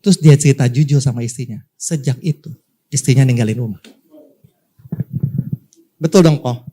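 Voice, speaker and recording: A male pastor preaching a lively sermon, telling a story and acting out the voices of its people while speaking to the congregation. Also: medium pitch, normal speed, husky.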